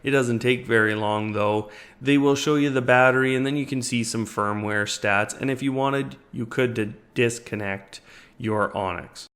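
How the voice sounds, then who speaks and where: A man's voice: medium pitch, steady tone, moderate pace, a bit bright. A man hosting a product review, explaining things step by step in a conversational unboxing and tutorial style.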